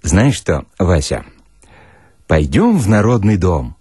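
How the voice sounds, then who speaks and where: A man plays an officious committee chairman from a comic story reading. He is pedantic and bossy, speaking in measured, slow phrases. The voice is very husky and rough. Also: sits low, sing-song, warm tone, dry recording, clean studio sound, pitched below the performer's own voice, full character voice. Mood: officious persuading. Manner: officious, measured, quoting regulations.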